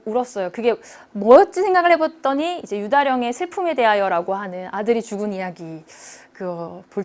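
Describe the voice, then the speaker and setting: A woman teacher giving a lecture, lively and engaging, often checking in with her students as she explains. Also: fairly high pitch.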